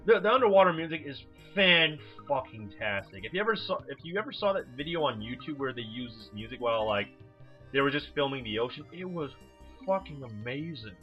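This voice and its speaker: Man, animated intonation, informal rambling gameplay commentary, dull lo-fi microphone, game music underneath. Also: mid-range voice, brisk. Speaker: video game let's player. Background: video game music.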